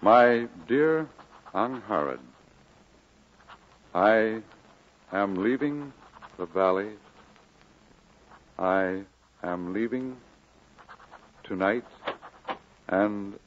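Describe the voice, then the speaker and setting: An actor playing a solemn, declamatory preacher full of grief and conviction, in mid-century radio drama style. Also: male voice, fairly low pitch, extremely slow, long pauses, slight background noise. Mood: tender, sorrowful. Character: impassioned, grieving preacher leaving his valley, firm and commanding. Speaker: minister. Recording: muffled old radio recording.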